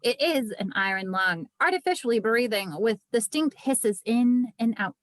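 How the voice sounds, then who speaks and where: Higher-voiced woman narrator, dry sound. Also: animated, moderate pace, no echo. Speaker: narrator reading stage directions. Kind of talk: scripted narration.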